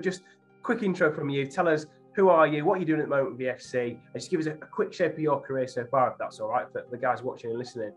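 Male podcast host, quick and upbeat, mid pitch, light music behind. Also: husky. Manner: upbeat, chatty. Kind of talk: podcast interview.

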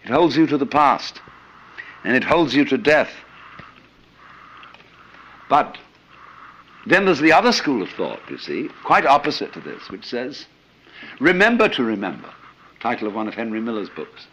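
A man's voice: mid-range voice, very animated, normal speed, pauses often, a bit bright, breathy edge, lo-fi sound. An older man giving a reflective, anecdotal lecture, musing aloud with frequent "you see" and hesitant "uh"s. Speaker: lecturer on philosophy.

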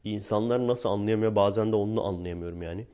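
Young man, low mellow voice, chatty wry storyteller, casual vlog delivery. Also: fast talker. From Turkey. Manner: chatty, wry, laughs while telling anecdotes. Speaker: teacher.

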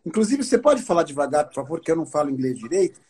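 Excitable guest guy, high voice swinging all over, slangy and jokey. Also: rapid-fire, crowd noise. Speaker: podcast guest. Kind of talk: casual live chat.

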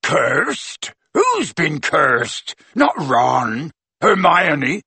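A huge, gruff man, voiced by a male narrator in a storybook. He is blustering yet warm-hearted, with a forceful voice in a dry recording. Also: fairly high pitch, wildly swooping pitch, very slow, no echo, full character voice. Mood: alarmed.

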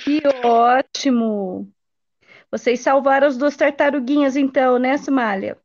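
A woman's voice: high-pitched, measured pace, lo-fi sound, background noise. A woman interviewing children casually, with an exclamatory, encouraging manner.

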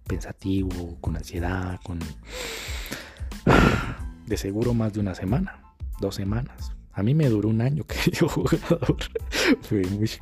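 Crude, animated Colombian man. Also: sits low. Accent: Colombian Spanish. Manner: crude, slangy and animated, acting out quoted voices. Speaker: dating coach. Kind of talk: casual vlog monologue.

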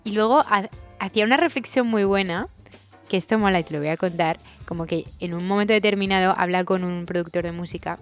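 Woman, podcast co-host, casual chat, rambling storyteller, faint music behind. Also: mid-range voice. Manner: chatty, rambling storyteller with quick bursts.

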